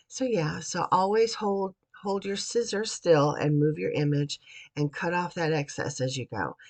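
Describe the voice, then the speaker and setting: A woman host narrating a card-making tutorial voiceover at her home craft desk, sounding raspy and stuffy from a cold, chatty and rambling with frequent restarts. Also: fairly low pitch.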